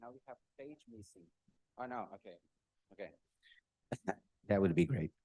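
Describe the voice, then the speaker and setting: On poor audio with no echo, a middle-aged Brazilian man who speaks Portuguese as his first language delivers an animated, emotional birthday tribute with jokes. His fairly low, warm voice moves at a moderate pace, and he often clears his throat and laughs at himself.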